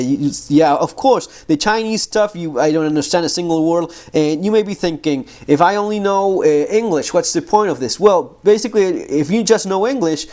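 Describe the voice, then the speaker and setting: Higher-pitched man giving a casual, halting demo. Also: a little mellow. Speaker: survivalism video host. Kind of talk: casual product demonstration talk.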